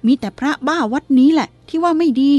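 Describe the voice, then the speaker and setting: A woman voicing a haughty noblewoman who scolds in a shrill, indignant voice. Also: a little slow, dark tone, breathy edge, no room sound, highs cut off. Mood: scornful.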